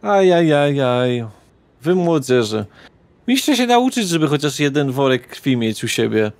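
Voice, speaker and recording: A man's voice: medium pitch, sing-song, a little slow, a little mellow. A man voicing a breezy, reassuring vampire fixer in a tabletop game, slangy and a little patronizing. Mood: chiding.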